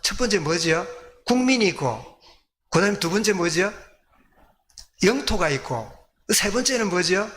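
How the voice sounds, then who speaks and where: A man's voice: high-pitched, a bit bright. A man from South Korea preaches as a pastor, teaching by putting questions to the congregation and answering them himself. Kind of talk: sermon with rhetorical questions to the congregation. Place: church service.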